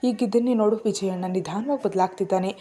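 A woman voicing a spirited, outspoken young woman in a storybook reading, talking high and exclamatory. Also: fairly quick, mellow, close to an everyday voice. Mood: encouraging.

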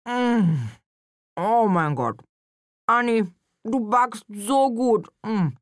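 A bubbly young woman, excitable and gushing, her voice pitched high and bright, as a female audiobook reader puts her on. The chirpy lines are heard in a dry, close studio sound. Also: drawn-out words, no room sound.

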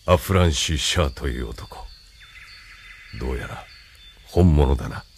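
Scheming military chief, radio play, deep and commanding. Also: male voice, unhurried, a little hiss or hum. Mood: measured. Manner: commanding, calm and musing. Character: cunning male military leader, coolly commanding. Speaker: leader of the secret police. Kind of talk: radio drama acting.

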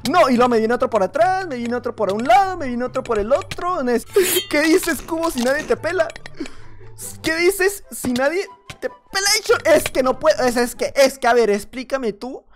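Casting: woman gamer, slightly hoarse, lively swooping pitch, teasing and laughing, faint music behind. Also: normal speed. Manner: excitable, laughing, teasing other players. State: slightly hoarse from just waking up. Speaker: gaming YouTuber. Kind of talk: Minecraft gameplay commentary.

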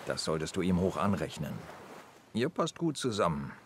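An actor playing a weary but tender police inspector in a radio crime drama, speaking calmly and gently. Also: male voice, low-pitched, moderate pace, a little hiss or hum. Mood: warm. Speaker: inspector Anton Jäger.

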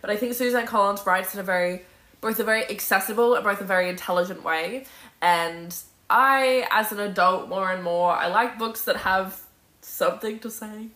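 A woman's voice: mid-range voice, normal speed, fairly bright tone. A woman in her twenties chatting casually on a livestream, answering comments in an emphatic, sweary, opinionated way. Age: 20s. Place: indoor room at home with bookshelf. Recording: roomy echo from phone mic.

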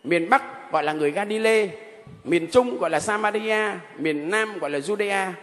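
A male Catholic priest preaching a sermon, telling stories in an animated way and speaking directly to his congregation. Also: high voice, moderate pace, long reverb tail. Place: church.

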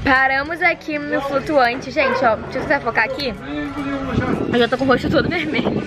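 A young woman who is slightly hoarse from losing her voice, chatting upbeat to viewers on a handheld camera while travelling. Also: sits high, steady tone, moderate pace, a loud crowd. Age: young adult. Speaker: vlogger. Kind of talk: casual travel vlog to camera. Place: outdoors at a beach and on a boat, later indoors in a flat. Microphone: handheld camera at arm's length. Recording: noisy handheld camera audio.

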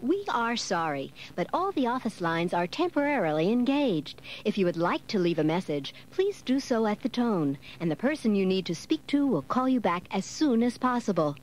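A woman's voice: medium pitch, big pitch swings, poor audio. Woman recording a polite answering machine greeting. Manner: polite, formal, measured.

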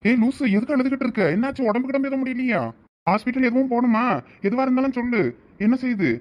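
A man's voice: high-pitched, fast, lightly acted. A man acting as a caring young husband in a village comedy-drama, coaxing and teasing his wife affectionately. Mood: worried. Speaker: actor in a village family skit.

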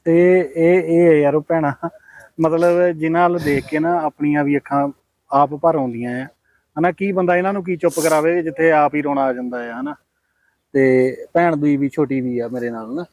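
A man's voice: fairly high pitch, fairly even intonation, darkish tone, dry recording. A man with a Punjabi accent hosting a field interview, speaking in a soothing, consoling way. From Punjab, India. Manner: soothing, consoling, drawn-out phrasing. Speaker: interviewer and show host.

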